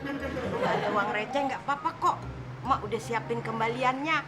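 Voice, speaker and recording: A woman's voice: on the high side, normal speed, very noisy, close to an everyday voice. An actress playing a brash, cheeky older beggar woman with officious airs and a Jakarta accent in a sitcom. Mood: sly, knowing. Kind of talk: sitcom acting. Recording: loud music and crowd behind voice.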